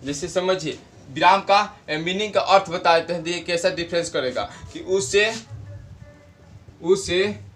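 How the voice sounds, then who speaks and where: High-voiced man teaching a grammar lesson. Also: a bit bright, faint music behind. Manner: explains slowly with repeated example phrases. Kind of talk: classroom-style grammar lesson. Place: home in a village, wedding noise nearby.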